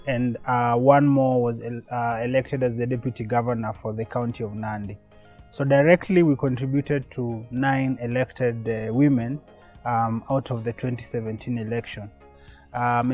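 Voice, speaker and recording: A man speaking in a measured, deliberate way in a documentary interview. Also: medium pitch, a little mellow. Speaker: project representative. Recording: dull lo-fi sound, music bed. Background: background music.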